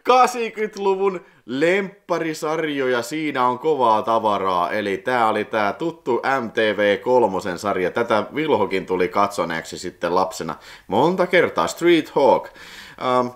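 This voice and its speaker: Man in his forties, casual unboxing vlog, animated pitch, squealing exclamations, rambling nostalgic talk. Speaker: video collector channel host.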